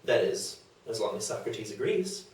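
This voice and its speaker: Dude acting cheeky greek comic poet, declaiming all mock-grand, stage comedy read, echoey and distant. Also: male voice, lowish voice, sing-song, normal speed, a little mellow, slight background noise. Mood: mock objection. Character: Aristophanes, mischievous, theatrical comic poet at a banquet. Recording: echoey room, off the microphone.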